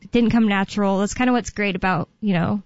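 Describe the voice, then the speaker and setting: A woman's voice: mid-range voice, fairly even intonation, fast, no echo, highs cut off. A woman in her late twenties hosting a talk radio show, chatting casually and often restarting her sentences. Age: 20s.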